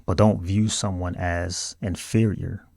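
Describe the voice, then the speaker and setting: A man's voice: deep voice, fairly even intonation, measured pace, creaky, mellow, no room sound, studio quality. A man with an African American accent delivers scripted video commentary in an earnest, emphatic, colloquial way. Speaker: video host.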